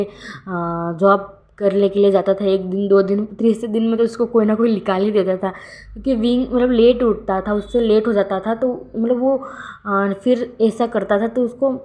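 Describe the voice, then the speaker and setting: A woman's voice: mid-range voice, darkish tone. A woman casually narrating a fan-fiction story, rambling with lots of filler words.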